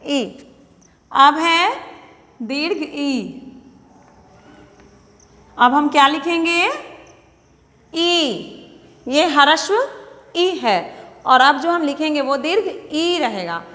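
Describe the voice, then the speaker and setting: Slow, patient, high-voiced woman teacher. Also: a bit bright, big-room sound. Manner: slow, patient, repeats each step and asks the children questions. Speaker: nursery teacher. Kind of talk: step-by-step handwriting lesson for young children.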